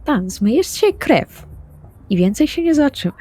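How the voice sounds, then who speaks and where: A woman's voice: high-pitched, sing-song, moderate pace, warm tone. A woman voicing an eccentric, protective vampire in an audio roleplay, motherly, cryptic and insistent. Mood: instructing.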